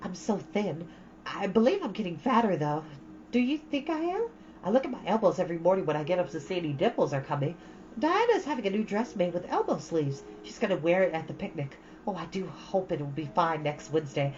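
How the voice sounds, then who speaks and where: A woman's voice: fairly low pitch, very animated, brisk, a little mellow. A woman voicing a dreamy, romantic, chattering young girl in a storybook, gushing with dramatic earnestness. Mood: gushing, wistful. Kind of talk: storybook read-aloud. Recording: dull, lo-fi, faint background noise.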